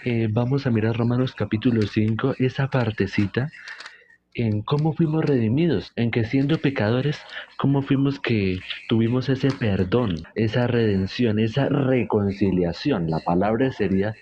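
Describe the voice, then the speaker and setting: A man leading an informal Bible study, measured, rephrasing as he points listeners to verses. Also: medium pitch, mellow. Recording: dull lo-fi sound with faint noise.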